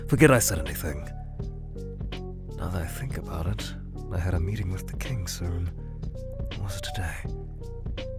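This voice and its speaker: A man performs a formal, eccentric monster scientist who talks in a low register. His voice ranges widely, from hushed whispery musing to sudden panicked outbursts. Music plays clearly behind him. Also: heavily acted. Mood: brooding. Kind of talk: fan-made ask-series voice acting.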